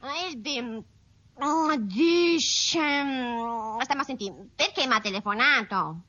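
A woman's voice: a little high, lively intonation, bright, forceful tone, heavily acted. Woman playing a scolding housewife. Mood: exasperated. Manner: exasperated, scolding, rapid dialect chatter. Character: chatty harried middle-aged housewife on phone. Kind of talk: 1970s-80s radio sketch acting. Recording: dull lo-fi old radio recording.

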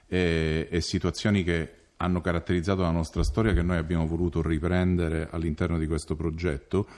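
A man from Sicily, a musician, explaining his work in measured interview talk. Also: deep voice, level tone, darkish tone. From Palermo, Sicily.

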